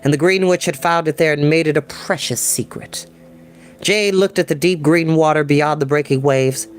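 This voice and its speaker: A young adult man reading a novel aloud as storyteller, in expressive audiobook-style narration. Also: a little high, moderate pace, faint music behind. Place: small room at a desk. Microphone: desk microphone.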